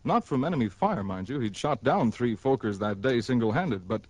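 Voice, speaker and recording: An actor playing a calm, patient insurance executive in a 1960s radio drama, speaking in a measured, grave way. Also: male voice, mid-range voice, no room sound, lightly acted. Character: calm middle-aged male insurance executive. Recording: old radio broadcast.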